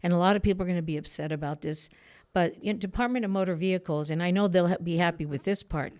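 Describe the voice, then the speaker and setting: Lowish voiced lady, spanish is her first language, earnest interview guest, kinda rambles and restarts. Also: quick pace, darkish tone. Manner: rambling, with broken-off sentences. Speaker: interview guest, political candidate. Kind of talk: earnest conversational interview answers.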